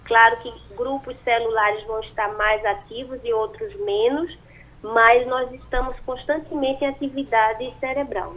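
Woman on a muffled landline phone. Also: fairly high pitch. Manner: explanatory, hesitant fillers. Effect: over a landline phone. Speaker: neurologist guest on phone. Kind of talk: radio interview answers.

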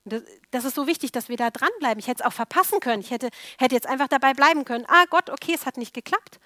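A woman's voice: high-pitched, lively intonation, fast, sharp tone, no echo, studio quality. A woman preaching a sermon emphatically, repeating key words for stress.

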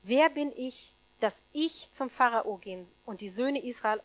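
A woman preaching a sermon to a congregation, emphatic, swinging between loud stresses and hushed asides, with rhetorical questions to the listeners. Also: fairly high pitch, lively intonation, a little slow, rough recording.

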